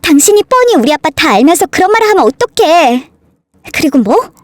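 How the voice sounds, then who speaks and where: A woman's voice: very high voice, sing-song, fairly quick, no echo, studio quality, pitched above the performer's own voice. A woman voicing a furious young wife who indignantly fires back at her husband.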